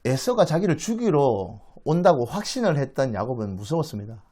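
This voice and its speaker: Animated male Bible lecturer with a lively voice. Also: medium pitch, brisk, breathy edge. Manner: animated, acts out the quoted speech, asks the audience questions. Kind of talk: dramatic storytelling lecture.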